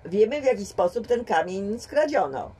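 A woman voicing a gruff middle-aged man posing as a police inspector, with a curt, dry, officious manner. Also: mid-range voice, animated, moderate pace, mellow. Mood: smooth. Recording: distant home mic.

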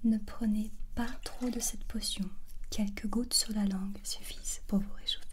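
A woman playing a gentle witch who teaches potions, with a French accent, in a hushed ASMR roleplay. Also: medium pitch, fairly even intonation, moderate pace, natural voice. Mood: pleased. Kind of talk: whispered cinematic ASMR roleplay. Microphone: close ASMR microphone.

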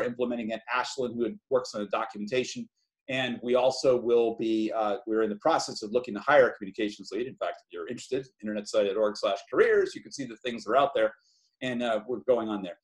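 A man's voice: medium pitch, rough recording. Conversational man presenting on a webinar. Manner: conversational, explanatory. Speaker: project lead presenting. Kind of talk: informal webinar presentation with slides. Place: online video call.

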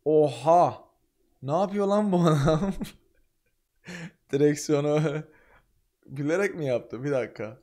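A man's voice: fairly high pitch, takes it slowly, long pauses, warm tone. A young man streaming live, reacting to a video with joking, laughing asides. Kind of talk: casual live-stream commentary.

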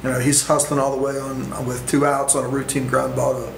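A man's voice: medium pitch, completely flat delivery, a little fast, creaky, echoey room, a little hiss or hum, low-quality recording. A man, a sports reporter, asking a coach hesitant questions after a game.

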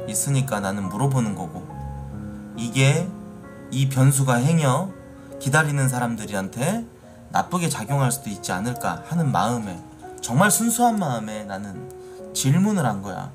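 A man ranting at his chat during a live stream, swearing and building into angry shouts. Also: mid-range voice, big pitch swings, normal speed, music in the background. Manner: angry, profane, rising to shouting. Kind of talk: casual live-stream rant.

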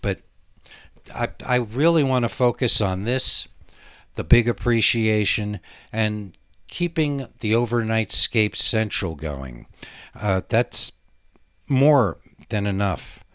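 A man with a fairly low voice talks casually as a solo podcast host. He wanders through digressions and hesitates as he goes. The sound is fairly dry, with little room around it. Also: lively intonation, slow, fairly bright tone, smooth, no echo. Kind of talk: rambling casual solo monologue.

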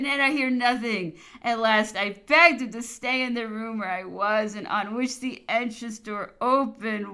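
High, bright woman reading a memoir. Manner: measured, with occasional amused laughter. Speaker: audiobook reader.

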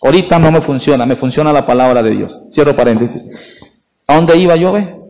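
With a brisk delivery and a darkish tone on the high side, this man preaches emphatically as a priest during Mass. He poses questions to the congregation, then answers them himself. The church gives the recording a long reverb.

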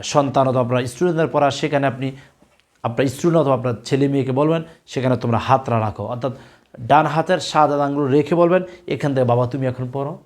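A man teaching a recorded Quran reading lesson, spelling out letters slowly, repeating syllables, and speaking earnestly to parents. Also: mid-range voice. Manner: addresses parents directly, earnest and instructive.

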